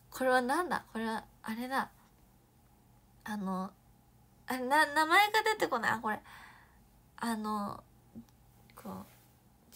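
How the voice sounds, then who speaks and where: Bubbly high-voiced young woman streaming. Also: vocal fry. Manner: bubbly, thanks viewers, drops to soft whispers. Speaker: idol streamer reading viewer comments. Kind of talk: casual morning live stream chat.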